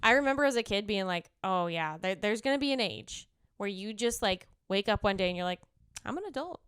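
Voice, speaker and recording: A woman in her twenties from the United States, chatting casually as a podcast co-host, full of fillers and quick laughs. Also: mid-range voice, lively intonation, a bit bright, clear, resonant tone, no echo, clean studio sound. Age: 20s. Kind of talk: casual chat.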